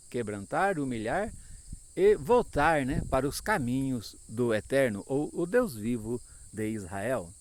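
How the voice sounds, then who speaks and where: A man preaching a sermon, speaking slowly and with emphasis, often asking listeners for an amen. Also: medium pitch, a little mellow.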